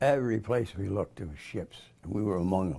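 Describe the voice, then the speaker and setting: Against a quiet background, a man with an American accent speaks in a dark, mellow tone with vocal fry and ordinary pitch variation. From Albany, New York. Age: 80s+. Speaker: World War II veteran. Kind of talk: interview answer.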